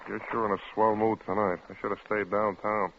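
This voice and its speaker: An actor playing a put-upon, jobless husband in an old radio drama, weary, defensive and dry. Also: male voice, fairly low pitch, level tone, brisk, natural voice. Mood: tired, sardonic. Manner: curt, dry retorts. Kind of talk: 1940s-50s radio drama acting. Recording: muffled, noisy old phone-like radio recording.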